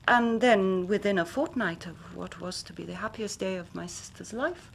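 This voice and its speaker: An actress playing a grave young Victorian woman who tells her story in measured, formal speech, sometimes dropping to a hushed whisper. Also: mid-range voice, a little hiss or hum, natural voice. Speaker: client telling her story. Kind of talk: period radio drama acting.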